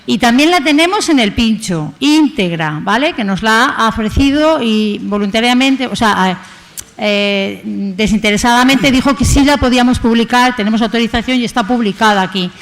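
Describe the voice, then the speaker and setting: Opening a conference in a hall, a woman from the hosting association introduces the guest speaker in a chatty, rambling way, using tag questions. Her voice is a little high and her pace moderate.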